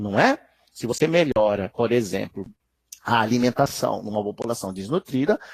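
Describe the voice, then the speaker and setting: A man's somewhat breathy voice moves at a moderate speed, its intonation lively. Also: dry, close sound with no echo. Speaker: health surveillance manager. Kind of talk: lecture. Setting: web conference.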